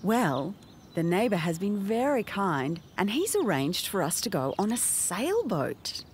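A woman's voice: mid-range voice, big pitch swings, unhurried, a little hiss or hum. A middle-aged woman presenting a children's TV show in an encouraging, sing-song way.

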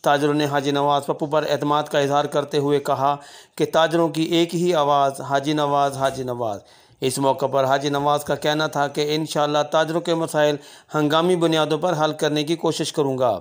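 Flat-voiced male news reporter. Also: on the high side, normal speed. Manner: flat, formal report reading. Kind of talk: news voice-over narration.

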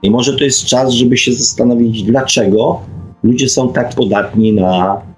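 A man's voice: medium pitch, steady tone, moderate pace, darkish tone, faint music behind, low-quality recording. A middle-aged man from Poland hosting an unscripted radio talk in a reflective, hesitant manner, often ending phrases with a questioning tag. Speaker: radio host. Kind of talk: unscripted radio monologue, reflecting and reading listener comments.

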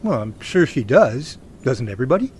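An actor playing a wordy, sarcastic but earnest young adult son in a radio drama. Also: male voice, mid-range voice, big pitch swings, a little fast, darkish tone, slight background noise, natural voice. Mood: teasing.

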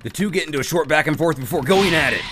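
A man's voice: a little high, expressive, fast talker, background noise. A man reading scripted narration as he recaps a comic story. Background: background music.

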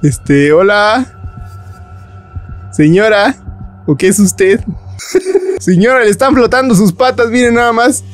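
A man's voice: high voice, takes it slowly, pauses often, soft background music. A man commenting on a horror game he is playing, joking and breaking into nervous laughs and shrieks. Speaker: gaming YouTuber.

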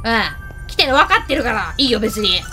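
A woman talks through a game in a high, animated voice. She chats to the characters on screen and to her viewers. Soft music plays behind her. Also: a little fast. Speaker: game video host. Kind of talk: lively gameplay commentary.

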